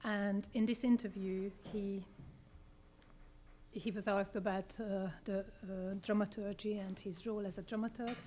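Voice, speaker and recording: A woman from Hungary, presenting her book as a dramaturg in a measured public talk with frequent hesitations, holding a microphone. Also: mid-range voice, fairly even intonation, mellow. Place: theater event space. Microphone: handheld microphone.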